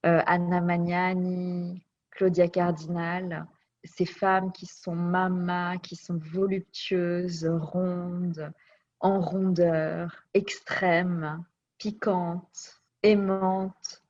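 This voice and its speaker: A woman with a fairly low voice looks back on her life in an interview, thoughtful and searching for the right words as she goes. The sound is dull and a little lo-fi. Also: level tone, very slow, darkish tone. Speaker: interview guest. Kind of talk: personal storytelling interview. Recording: dull lo-fi recording.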